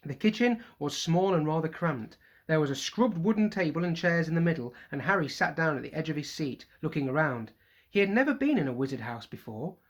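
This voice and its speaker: Teacher reading a kids' novel out loud, really lively up-and-down voice. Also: mid-range voice, muffled recording. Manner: lively expressive storytelling. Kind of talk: reading a children's novel aloud.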